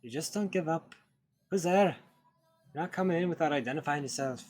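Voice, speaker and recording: Man playing a protective village dad, loud, urgent, audio drama. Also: fairly high pitch, moderate pace, soft background music, pitched above the performer's own voice, lightly acted. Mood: wary. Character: protective village father, stern and alarmed.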